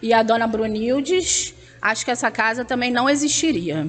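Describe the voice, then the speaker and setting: A woman's intonation is lively even as she talks at a fairly slow pace. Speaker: teacher speaking at spiritist centre anniversary. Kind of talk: personal testimony speech. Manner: animated.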